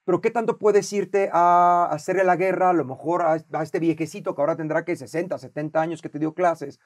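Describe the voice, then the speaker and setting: Host, man, Mexican accent, middle-aged, high pitch, lively delivery that acts out quotes. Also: a little fast. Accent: Mexican Spanish. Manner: animated, acts out shouted quotes, swears freely. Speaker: podcast host. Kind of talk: casual conversation.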